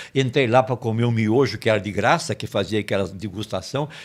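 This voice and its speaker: Fairly low-pitched male voice in a rural São Paulo accent, with ordinary pitch variation. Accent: São Paulo countryside (caipira). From interior of São Paulo state, Brazil (Itapeva). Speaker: professional speaker. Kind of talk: interview.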